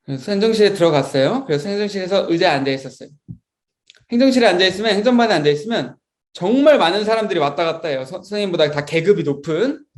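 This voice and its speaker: A young man, a Sunday school teacher, telling a story to children in a lively, expressive way. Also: high-pitched, very fast.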